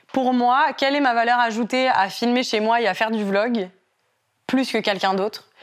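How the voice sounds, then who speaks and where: Fairly even intonation from a woman, moderate in pace. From France, Nice. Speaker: YouTuber. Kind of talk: interview. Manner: hesitant fillers.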